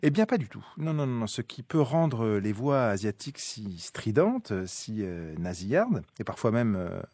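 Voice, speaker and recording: Un homme jouant un médecin de radio pédant qui fait la leçon sur un ton suffisant. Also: male voice, lowish voice, very animated, moderate pace, darkish tone, breathy edge, no echo, heavily acted. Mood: smug lecturing. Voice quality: lecturing, self-satisfied. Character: pompous know-it-all male radio doctor. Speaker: doctor co-host of a call-in show. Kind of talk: scripted comedy sketch.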